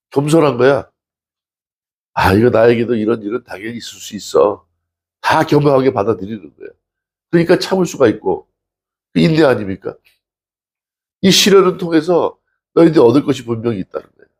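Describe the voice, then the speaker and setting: Male pastor, husky gravelly voice, chatty sermon style with acted-out dialogue. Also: mid-range voice, animated, a little fast, long pauses, darkish tone. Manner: conversational preaching, rhetorical questions to the congregation; acts out dialogue from scripture stories.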